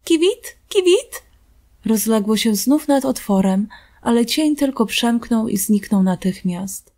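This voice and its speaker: A woman reading a fairy tale aloud in a calm, gentle narrating voice. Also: fairly high pitch, a little slow. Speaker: storybook reader.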